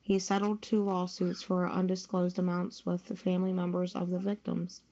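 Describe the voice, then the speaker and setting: Flat, mellow woman reading sports news. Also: lowish voice, normal speed. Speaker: sports news presenter on a podcast. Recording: dull lo-fi audio.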